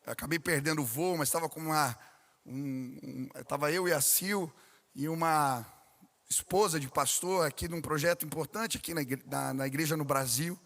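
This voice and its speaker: A Brazilian man preaches a sermon, his voice sitting a little high for a man. He tells stories with lively delivery and asks the congregation questions. The sound rings with the long reverb of a large church hall. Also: normal speed, gravelly. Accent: Brazilian Portuguese. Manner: animated storytelling with questions to the congregation. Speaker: pastor. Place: church sanctuary.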